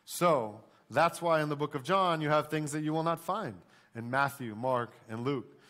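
A man's voice: a little high, moderate pace, a bit bright. Emphatic American male preacher. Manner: emphatic, repeats questions and key phrases. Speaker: pastor. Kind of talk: sermon. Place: church stage, indoors.

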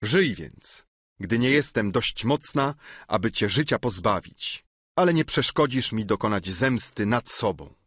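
A man's voice: on the low side, animated, a little slow, fairly bright tone, husky, no echo, clean studio sound, heavily acted. A man voicing a young noblewoman who feigns desperate fury, reading her lines in an impassioned, declamatory way for an audiobook. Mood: despairing.

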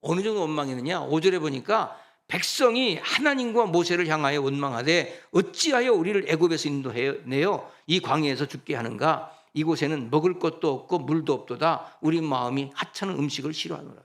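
Pastor, male, fairly high voice, lively conversational sermon delivery with rhetorical questions. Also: a little fast, hardly any pauses. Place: church sanctuary.

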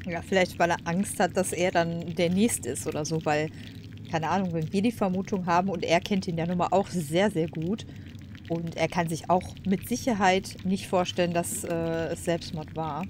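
A woman's voice: on the low side, steady tone, normal speed, a little mellow, slight background noise. A woman hosting a let's play, chatting casually and musing aloud in informal slang. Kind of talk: casual gaming commentary.

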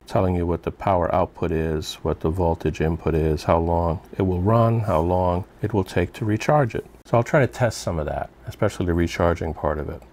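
A man's voice: low voice, darkish tone, a little hiss or hum. A man giving casual unboxing commentary as a product reviewer, musing aloud to himself as he goes.

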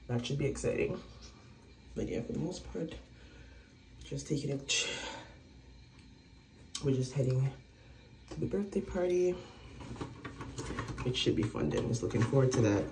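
A woman's voice: very deep voice, lively intonation, moderate pace, long pauses, echoey room, background noise. A woman in her thirties chatting casually to a close phone camera while doing her makeup, her voice a little throaty. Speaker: vlogger. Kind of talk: casual vlog chat to camera. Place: small indoor room, by a window.

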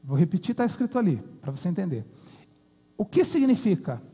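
A man's voice: high voice, big pitch swings, brisk, warm tone, husky. A Brazilian man preaching a sermon and telling folksy stories in a church hall. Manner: folksy, colloquial storyteller. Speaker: pastor. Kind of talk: sermon with storytelling. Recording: long hall reverb.

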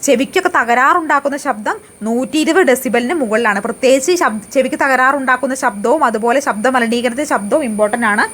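Higher-pitched woman teaching. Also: fast talker, hardly any pauses, a bit bright. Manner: asks questions then answers them, repeats key facts; frequent hesitations and restarts. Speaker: exam coaching teacher. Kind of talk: exam prep lesson.

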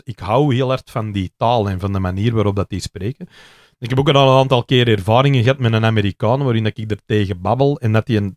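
Flemish podcast host rambling on, chatty, dry close mic. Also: male voice, mid-range voice, a little mellow, no room sound. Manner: talkative, rambling explanations with quick asides. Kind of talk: casual podcast conversation.

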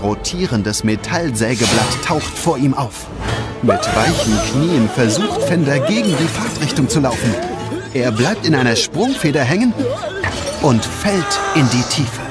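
Animated male storyteller over loud music. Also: mid-range voice. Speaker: narrator. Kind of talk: dramatic scripted storytelling for children.

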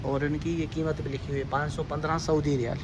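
A vlogger strolls through a large indoor supermarket filming on a handheld phone, leisurely pointing out products and reading their prices for a walking store tour. His voice is fairly high-pitched and flat, and he talks fast. The noisy store ambience comes through in the recording.

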